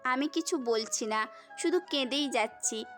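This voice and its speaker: A woman's voice: sits high, a little slow, fairly bright tone, soft background music. A young woman narrating a romantic story in the first person, as a scripted audio tale.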